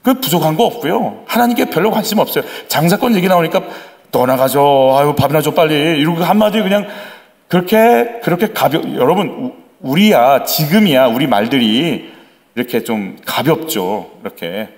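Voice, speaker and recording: A man's voice: a little high, moderate pace. A man preaching a sermon as the pastor of a church, asking the congregation questions and acting out voices. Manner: animated, acts out quoted voices; conversational, asks the congregation questions.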